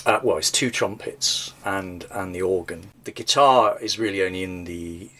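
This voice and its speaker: A man's voice: deep voice, moderate pace, sharp tone. A man hosting a podcast, talking casually and self-deprecatingly about music he has written, in a slightly thin voice. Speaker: podcast host and songwriter.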